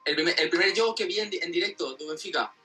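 A man in his twenties from Spain with a Spanish accent, a native Spanish speaker giving casual, halting interview answers as he searches for words. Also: sits high, bright, forceful tone, slightly rough. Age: 20s. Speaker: interview guest, football fan. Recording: distant mic with faint music behind.

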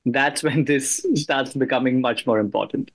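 A man's voice: mid-range voice, normal speed. A man hosting a podcast, talking conversationally and reflectively with an interview guest. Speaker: podcast host.

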